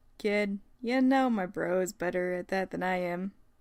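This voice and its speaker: Speaking at a moderate pace, a woman uses a put-on character voice at a medium pitch. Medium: read story. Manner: laid-back, drawling.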